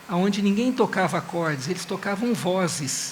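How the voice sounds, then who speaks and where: Amid noticeable background noise and audible room echo, a man with a high pitch speaks at a fairly slow pace. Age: 60s. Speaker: musician and viola teacher. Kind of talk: lecture-performance.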